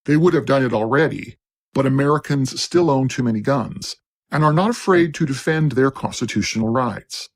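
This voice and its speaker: A man reading scripted narration in a steady, declaiming cadence. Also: mid-range voice, moderate pace.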